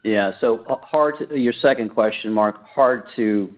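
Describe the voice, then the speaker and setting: Man, low pitch, finance executive, unscripted business Q&A, thin telephone-band audio. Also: a little slow. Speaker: company finance executive on earnings call. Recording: muffled narrow phone-like conference line.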